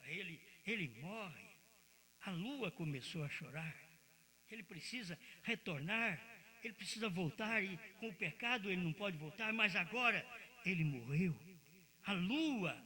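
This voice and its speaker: Male preacher, very high bright voice, lively impassioned delivery that jumps from shouts to murmurs. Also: a little slow. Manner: impassioned, swinging from loud declarations to low murmurs. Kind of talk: sermon.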